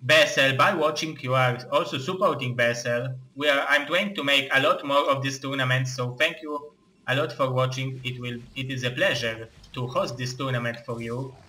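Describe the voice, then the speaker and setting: Excitable Russian-accented game caster. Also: male voice, mid-range voice, rough recording. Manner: excitable, halting non-native phrasing with restarts. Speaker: esports caster and tournament host. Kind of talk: live game commentary.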